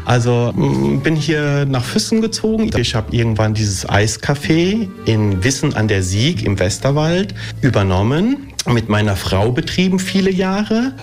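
A man's voice: medium pitch, very animated, a little slow, hardly any pauses, a little mellow, soft background music. A man in his forties, an ice cream maker, talking casually and chattily in an interview with many fillers and easy laughter. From Germany.

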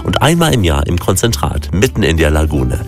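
A man's voice: low voice, sing-song, a little fast. A man narrating a radio travel feature in a playful, scripted way over a music bed. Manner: playful rhyming delivery. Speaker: radio travel show host.

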